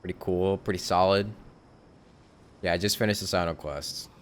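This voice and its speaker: A man talks casually while streaming a game, relaxed and quick to laugh. His voice sits on the low side. He answers his chat in a loose, chatty way. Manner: laid-back, laughs often, answers chat. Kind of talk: casual live-stream commentary.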